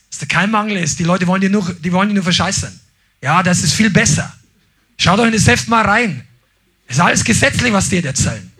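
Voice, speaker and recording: High husky animated male preacher. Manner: animated, shouts emphasis, acts out quotes. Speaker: pastor. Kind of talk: sermon.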